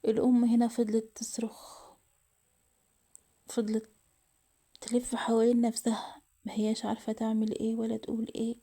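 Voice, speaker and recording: A woman's voice: a little high, completely flat delivery, a little fast, long pauses, mellow, breathy edge. A woman with an Egyptian accent narrating a moral family story, emotional and often half-whispered. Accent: Egyptian Arabic.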